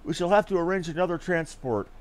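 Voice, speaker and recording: A man's voice: fairly high pitch, quick pace, lightly acted. A man voicing a grateful, shaken fantasy coachman from a video game, reading with formal, archaic phrasing. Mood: grave, apologetic. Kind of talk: reading game dialogue aloud in character.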